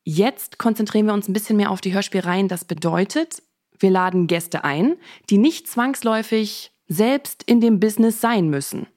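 A woman's voice: medium pitch, normal speed, darkish tone. A woman hosting a podcast in a casual, conversational style. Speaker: host.

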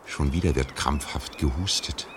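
A man's voice: extremely low pitch, normal speed. A male actor playing a wry, ominous narrator in an audio drama, over noisy ambience. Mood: wry suspense.

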